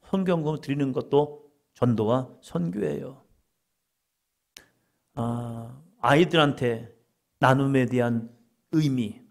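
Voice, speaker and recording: Gravelly-voiced Korean pastor preaching. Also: male voice, medium pitch, darkish tone. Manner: conversational preaching, acts out quoted inner voices. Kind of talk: sermon.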